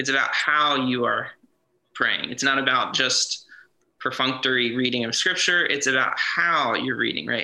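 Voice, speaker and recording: Talking at a moderate pace, this man has a plain, everyday voice set at a medium pitch. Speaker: ministry leader. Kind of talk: casual roundtable conversation.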